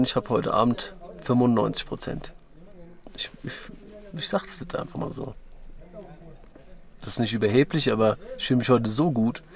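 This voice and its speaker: A young German hiking vlogger chats casually to his camera while trekking, relaxed and full of fillers. His voice is an ordinary middle pitch, recorded outdoors at a mountain camp on the camera's built-in mic.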